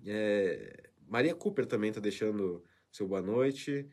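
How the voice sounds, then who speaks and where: A man with a lowish, expressive voice hosts a live show at a slow pace, reading out viewer comments. His talk is chatty, emotional and warmly farewell-like, full of tag questions such as "né?".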